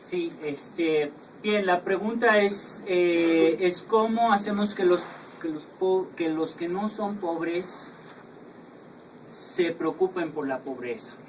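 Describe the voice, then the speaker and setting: A man with a Mexican Spanish accent interpreting and summarising at a public talk, deliberate and hesitant. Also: sits high. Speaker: interpreter and moderator. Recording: distant mic, faint noise.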